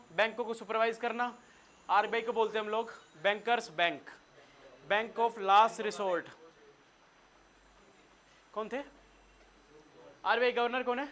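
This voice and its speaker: A man's voice: sits high, pushed and bright, slight background noise. A man with a Hindi accent teaching a classroom current-affairs lesson, quizzing his students and telling them what to write down. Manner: quizzes students and has them take notes. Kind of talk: classroom lecture.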